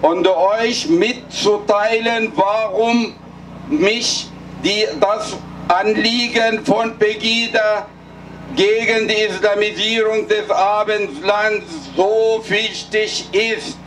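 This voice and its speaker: Slow, high-voiced older man. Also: steady tone, a bit bright. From Egypt. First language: Arabic. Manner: solemn, deliberate, with halting restarts. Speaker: rally speaker. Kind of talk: political rally speech. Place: outdoor night rally in a city square. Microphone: handheld mic, filmed by a distant camera. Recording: far-off voice with street noise.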